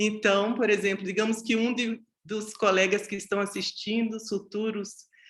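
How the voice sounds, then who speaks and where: A woman's fairly high voice, fairly slow and monotone, with flat intonation. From Brasília, Brazil. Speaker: federal attorney, panel speaker. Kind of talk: panel talk. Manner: halting, many fillers and restarts.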